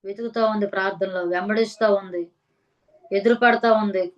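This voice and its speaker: A woman preaching a sermon at a middle pitch. She reads scripture aloud and builds her points through repeated, rhythmic phrases. She keeps turning to her listeners with pointed questions. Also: steady tone, moderate pace, dull audio. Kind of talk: sermon reading and explaining scripture.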